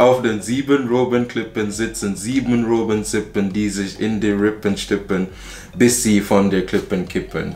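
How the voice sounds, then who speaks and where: A man with a Jamaican accent, fairly low in pitch and fairly slow in pace, over noticeable background noise. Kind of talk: attempting German tongue twisters. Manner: easy-going, laughing.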